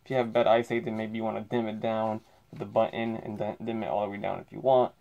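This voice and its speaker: A man's voice: on the low side, little pitch movement, quick pace, creaky, warm tone, muffled recording, a little hiss or hum. Man talking inside a closed helmet. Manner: plain, easygoing, with fillers. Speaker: product reviewer. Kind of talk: casual product review.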